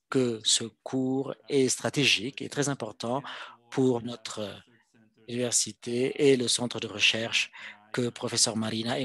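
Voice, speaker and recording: A male interpreter renders a formal presentation live. His voice sits at a middling pitch. He speaks slowly and haltingly, delivering the speech phrase by phrase. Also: a bit bright. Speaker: simultaneous interpreter.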